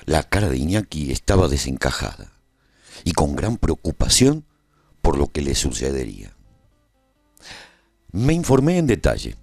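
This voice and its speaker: A man playing a post-apocalyptic traveller who narrates a scripted radio drama in a measured, solemn way. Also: low-pitched, darkish tone, no echo, clean studio sound, heavily acted. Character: male post-apocalyptic traveller recounting a war story gravely.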